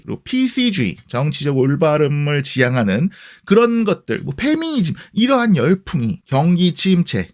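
Man, late 30s, casual commentary host; slightly high voice with animated pitch, conversational and explanatory. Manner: conversational, explaining with rhetorical questions. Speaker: history YouTuber.

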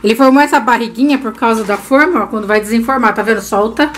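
A woman's voice: a little high, fast talker. A woman in her thirties hosting a casual home cooking vlog in her kitchen, chatting to viewers as she films on a handheld phone. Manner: chatty, addresses viewers as "gente". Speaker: cooking channel host. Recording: faint background noise.

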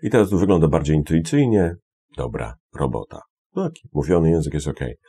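A man's voice: extremely low pitch, animated, brisk, warm tone, husky. A man from Poland teaching English phrases in an online lesson. He repeats words and explains with many fillers.

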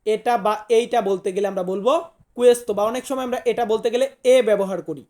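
A woman's voice: on the high side, fairly quick, warm tone. A woman teaching a vocabulary lesson, repeating each word and its meaning and spelling some out. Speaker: language teacher.

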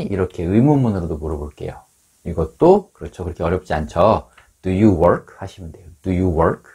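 Husky low-voiced man teaching English. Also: darkish tone. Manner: patient, repeats English phrases slowly for drilling. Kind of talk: online English lesson.

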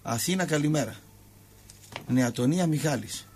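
A man's voice: fairly high pitch, darkish tone, a little hiss or hum. A man hosting a radio show, telling comic stories and acting out the quotes in shifting voices. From Greece. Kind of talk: comic storytelling chat.

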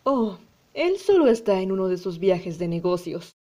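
A woman's voice: medium pitch, sing-song, moderate pace, lightly acted. Woman as a sweet, firm cartoon hedgehog mom. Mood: sweet, polite. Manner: polite, motherly, gently insistent. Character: sweet but firm middle-aged mother hedgehog, cartoon.

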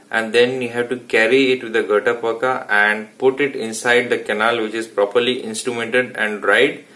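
An Indian man in his thirties talks through clinical steps in a plain, mid-pitched voice. He explains as a dentist in an informal teaching vlog, often restarting his sentences. He is recorded close up in a small clinic room. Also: a bit bright. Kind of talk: instructional vlog.

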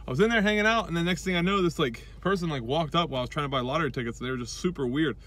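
A man's voice: fairly high pitch, rapid-fire, fairly bright tone. A man in his thirties rambling casually to a camera close by while sitting in a car. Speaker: vlogger. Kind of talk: casual rambling vlog chat. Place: inside a car. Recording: car and street noise behind voice.

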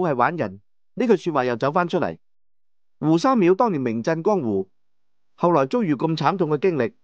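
A man with a Cantonese accent narrating a novel in the first person, in an expressive, dramatized storytelling manner. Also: on the high side, no echo, highs cut off. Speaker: audiobook narrator.

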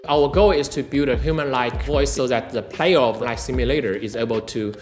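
A man's voice: mid-range voice, a little fast, darkish tone. A middle-aged man, not a native English speaker, explaining technology in a promotional interview. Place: modern office interior. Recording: roomy, music behind.

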